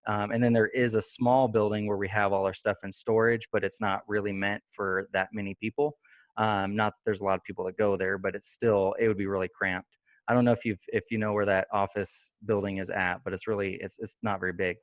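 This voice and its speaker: A man with a fairly low voice hosts a laid-back podcast chat, looping through "um"s and half-started sentences. The sound is dry and close, with no room around it. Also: level tone, fairly quick, no echo. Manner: rambling, many fillers and restarts. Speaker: podcast host. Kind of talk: casual interview chat.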